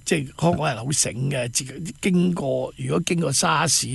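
Cantonese guy on talk radio ranting, raspy husky voice, mocking and animated, bit of music behind. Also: on the high side, normal speed, no room sound. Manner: blunt, mocking, animated, switching into impressions. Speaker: radio talk show host. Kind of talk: heated political radio commentary.

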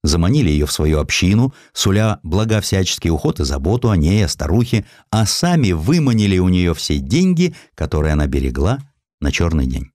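Male audiobook narrator, deep register, dramatic and varied intonation, deliberate pauses, dry close-miked studio sound. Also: big pitch swings, darkish tone, dry recording. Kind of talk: dramatic scripted narration of a historical sketch.

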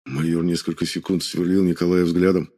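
A man reading an audiobook in a steady, even way. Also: sits low, a little fast. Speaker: narrator. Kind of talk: audiobook narration.

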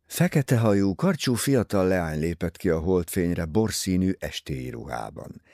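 Male audiobook narrator: low, gravelly, very animated dramatic reading, close dry studio sound. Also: dry recording. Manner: expressive, dramatic. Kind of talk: scripted narration.

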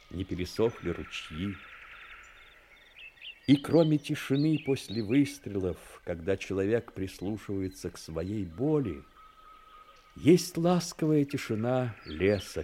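A man's voice: lowish voice, warm tone, slight background noise. A man narrating a war story solemnly, in the dramatic literary style of a radio play.

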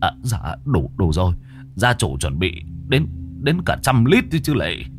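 A man's voice: deep voice, big pitch swings, a little slow, soft background music. A man voicing a fretful older village homeowner who hesitates and stammers over his words, in a horror story. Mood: flustered.

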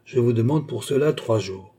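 A man's voice: mid-range voice, normal speed, mellow, husky, natural voice. A man voicing a polite middle-aged jeweler who speaks with careful deference. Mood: deferential. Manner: polite and formal.

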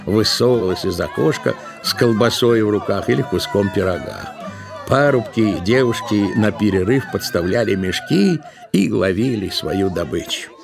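A man narrating a literary tale for an audio drama, with expressive storytelling delivery. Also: on the low side, gravelly.

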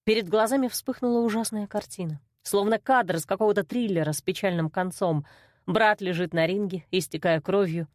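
A woman's voice: medium pitch, a little fast, no echo. A woman reading a first-person novel aloud with emotional expression. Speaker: audiobook narrator. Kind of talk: first-person audiobook narration.

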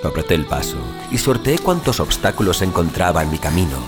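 A troubled man on a strange journey , acted by a man, tells his haunting dream as audio fiction. His voice sits fairly low and moves with very animated intonation. He is theatrical and suspenseful, pausing for effect, with prominent music behind him. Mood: reflective, urgent. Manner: theatrical, suspenseful, with deliberate dramatic pauses. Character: troubled male wanderer recounting a haunting dream. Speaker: narrator. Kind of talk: dramatic first-person audio fiction narration.

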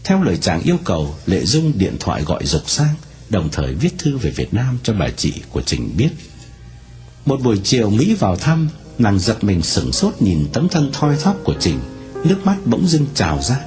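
A man narrating a novel aloud in an expressive storytelling manner. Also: moderate pace, soft background music. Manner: expressive storytelling with wide swings in pitch.

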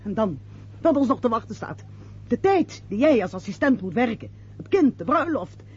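An actress playing a domineering, practical middle-aged show-business mother and hostess in a Dutch radio play, with a brisk, theatrical manner. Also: fairly high pitch, big pitch swings, darkish tone, breathy edge, heavily acted. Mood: sharp, reproachful. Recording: dull lo-fi radio play recording.

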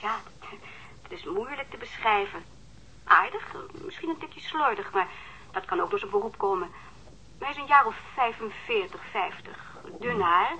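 A woman's voice: mid-range voice, lively intonation, moderate pace, bright, forceful tone. An actress in a radio drama playing an anxious, apologetic mother on the telephone, hesitant and stammering. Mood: hesitant, eager. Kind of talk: Dutch radio drama acting. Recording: telephone line with audible noise.

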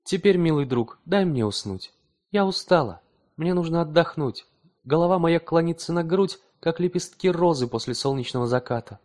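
A man voicing a devoted young wife who speaks with calm, dignified pride. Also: a little high, normal speed, pitched above the performer's own voice, close to an everyday voice. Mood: weary.

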